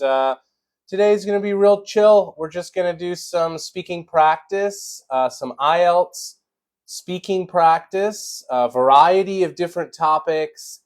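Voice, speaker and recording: An American man in his thirties from Chicago hosts a laid-back English lesson live stream. He speaks at an unhurried pace in a slightly high voice, with plenty of "uh" and "you know". He greets his viewers one by one. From Chicago, USA. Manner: relaxed, greets viewers by name, many fillers. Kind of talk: casual live-stream chat.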